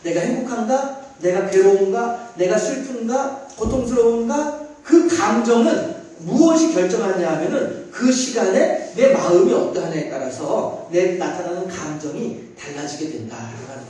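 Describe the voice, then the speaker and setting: A man preaching a sermon as a pastor, lively, with many rhetorical questions and acted-out voices. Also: high-pitched. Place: church sanctuary. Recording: very echoey church hall, mic at a distance.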